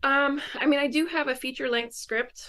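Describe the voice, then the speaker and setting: A woman with an upstate New York accent at a moderate pace, over a quiet background. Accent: upstate New York American. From upstate New York (Syracuse). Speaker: filmmaker and actress. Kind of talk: casual interview.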